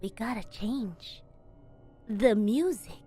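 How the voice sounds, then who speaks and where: Fields. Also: female voice, fairly high pitch, lively intonation, slow pace, warm tone, husky, soft background music. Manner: giggly, chatty, checks her audio settings aloud. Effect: heavily compressed mic with added reverb. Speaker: streamer. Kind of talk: casual live-stream chat.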